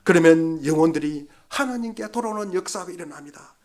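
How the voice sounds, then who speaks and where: A male pastor delivering a Sunday sermon with a notably high-pitched voice. He preaches fervently and repeats key phrases for emphasis. He swings from loud, urgent exhortation down to quiet, hushed lines. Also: animated, fairly quick.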